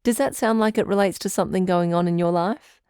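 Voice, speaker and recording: A woman's voice: lowish voice, fairly quick, a little mellow, smooth, no room sound, clean studio sound, natural voice. A woman playing a patient, reassuring doctor who hosts a radio advice show, articulate and composed, in a scripted audio drama. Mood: gentle, patient.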